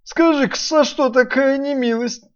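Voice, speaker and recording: A woman's voice: sits high, moderate pace, dull audio, pitched above the performer's own voice, lightly acted. A woman voicing a gloomy, pleading old male sea devil in a fairy-tale reading, wheedling as the character. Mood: plaintive.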